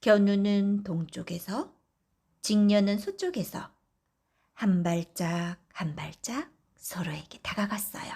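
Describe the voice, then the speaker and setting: A woman narrating folk tales for bedtime in a soft, often whispery, gentle voice. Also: medium pitch. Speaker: audiobook narrator.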